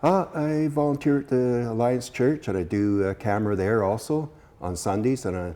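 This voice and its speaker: A man's voice: mid-range voice, normal speed, dark tone. A man, a volunteer camera operator, answering interview questions in a studio, plain and modest with many hesitant fillers. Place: community TV studio.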